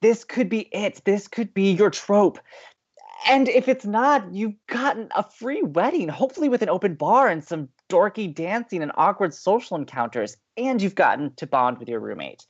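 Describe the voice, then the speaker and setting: A woman's voice: mid-range voice, expressive, moderate pace, muffled recording, natural voice. A woman playing an upbeat, teasing, hopelessly romantic college radio co-host in an audio drama, talking in playful, emphatic banter. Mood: teasing, insistent. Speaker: actor in a romantic comedy podcast.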